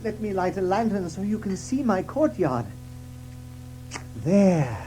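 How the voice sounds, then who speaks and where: A woman playing a timid, homesick little male mole in a storybook audio drama, speaking plaintively and haltingly. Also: medium pitch, expressive, warm tone, faint music behind, close to an everyday voice, poor audio. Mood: hesitant.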